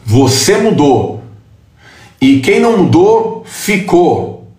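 A fired-up man delivers a motivational talk with a blunt, profane, confrontational edge. His pitch sits a little high and swings widely as he hammers his points home. The sound carries a roomy echo around him. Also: very animated, slow, a little mellow. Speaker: motivational speaker. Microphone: live stream. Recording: echoey room.

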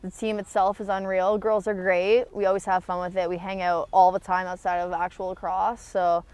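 A young Canadian woman speaks as a student athlete in a relaxed interview. Her pitch is middling for a woman and her phrasing is informal and slangy. She is recorded outdoors on a sports field. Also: a little fast, clear, resonant tone, no room sound. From small town in Ontario, Canada. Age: young adult. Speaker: university athlete being interviewed. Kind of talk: casual interview chat.

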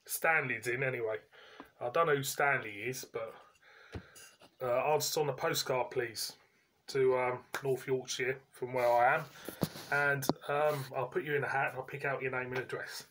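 Male reviewer, 40s, bright punchy voice, mid pitch, colloquial and casual. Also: fairly even intonation, slight background noise. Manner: informal, colloquial, pauses mid-sentence. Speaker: beer reviewer and host. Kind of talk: casual chatty video review. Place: indoors, living room at home.

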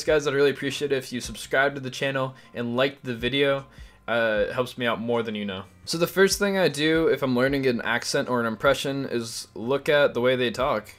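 A man with a medium-pitched, fairly bright voice hosts a casual YouTube video tutorial. He is chatty and upbeat, speaking directly to his viewers.

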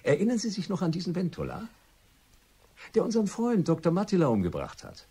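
An actor playing a jovial, chatty crime writer in a German radio play, with a raspy voice and theatrical banter. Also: male voice, sits high, huge pitch swings, a little fast, dark tone, heavily acted. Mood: wry, narrating.

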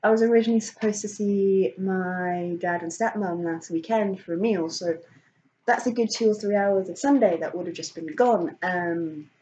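A woman's voice: medium pitch, normal speed, warm tone, highs cut off. A woman vlogging casually, rambling with many fillers and restarts and laughing often. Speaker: vlogger and author. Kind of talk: casual chat.

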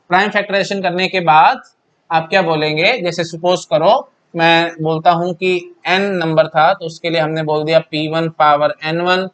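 A man's voice: fairly high pitch, a bit bright. A young Indian man teaching an exam-prep math lecture in mixed Hindi and English, chatty and repetitive, often asking and answering his own questions.

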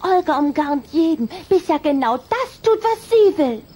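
Very high-voiced, feisty little vampire girl. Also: big pitch swings, normal speed, dark tone. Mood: indignant, jealous. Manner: pert, emphatic. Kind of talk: German children's radio play acting.

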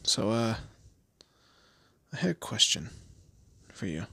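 Casting: male actor as weary, sardonic captive in intimate roleplay audio, bright rough-edged voice, hesitant delivery. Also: on the low side, sing-song, takes it slowly, no room sound, exaggerated voice. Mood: hesitant, curious. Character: weary, wry young man kidnapped by a mob boss. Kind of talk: first-person roleplay audio drama, conversational.

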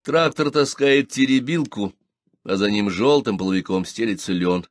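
A man's voice: lowish voice, normal speed, dry recording, studio quality. A man reading a literary story aloud in first person, expressively. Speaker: audiobook reader.

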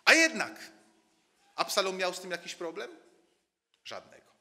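Bright, lively male preacher in echoey church. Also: high voice, unhurried. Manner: dramatic storytelling, swings from loud to near-murmur; repeats words when building a point. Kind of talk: sermon.

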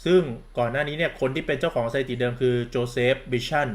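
A man's voice: medium pitch, quick pace. A campy man gives a sarcastic, crude-mouthed football commentary rant, calling himself big sister. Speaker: football vlogger.

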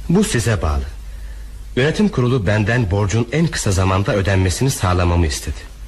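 A man's voice: fairly low pitch, big pitch swings, fairly quick, breathy edge. A man acting a formal, controlled and unbending banker in a crime radio drama. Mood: firm, formal. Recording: faintly noisy radio drama recording.

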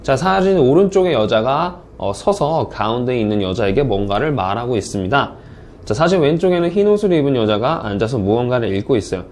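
A man teaching English speaking test strategies in a recorded online lecture, reading the example words slowly and clearly to show intonation. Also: mid-range voice, sing-song, a little mellow, slight background noise. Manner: upbeat, drills intonation with slow example readings.

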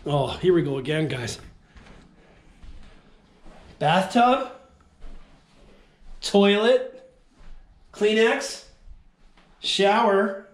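A man, excitedly talking to viewers while exploring an empty abandoned house on an action camera. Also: sits high, extremely slow, pauses often. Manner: excitable, keeps calling out to viewers. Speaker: urban explorer vlogger. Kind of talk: casual exploring vlog to camera. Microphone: handheld action camera.

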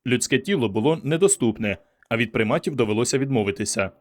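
A man voicing an earnest, excitable young doctor who speaks with fervent conviction. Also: mid-range voice, fast talker, lightly acted. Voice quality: fervent, emphatic.

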